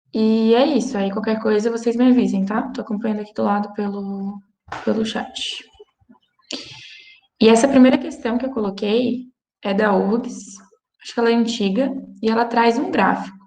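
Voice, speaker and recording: A woman talks at a fairly high pitch, with long, frequent pauses. Audible room echo surrounds her. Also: moderate pace. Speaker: geography teacher. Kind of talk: online lecture.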